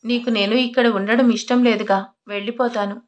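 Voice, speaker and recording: A woman's voice: a little high, fairly even intonation, a little fast, highs cut off, natural voice. Woman voicing a proud, tearful young wife. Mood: hurt. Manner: soft, sulky and pleading.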